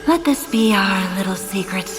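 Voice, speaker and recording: A woman's voice: medium pitch, lively intonation, normal speed, music in the background, natural voice. An actress playing a sly, teasing immortal woman in an audio drama, conspiratorial as she toys with a mortal. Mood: sly amusement.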